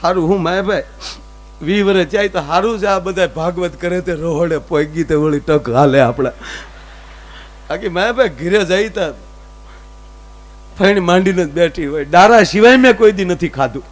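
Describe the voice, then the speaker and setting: A man's voice: sits high, moderate pace, pauses often. A man telling folk comedy stories on stage. He acts out both sides of each conversation. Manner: animated storytelling, acts out both sides of dialogues. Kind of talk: Gujarati stage comedy storytelling.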